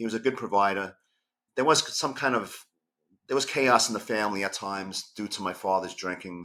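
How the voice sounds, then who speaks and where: Talking at a fairly quick pace with a New York accent, a man uses a bright, sharp tone at a medium pitch with ordinary pitch variation. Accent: New York (Queens). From Queens, New York. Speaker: sober companion, surviving sibling. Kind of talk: testimony interview.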